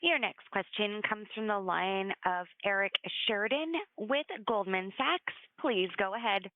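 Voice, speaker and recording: A woman's voice: medium pitch, measured pace, no echo. A woman working as a conference call operator, making scripted announcements over a telephone line. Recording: dry, narrow telephone line.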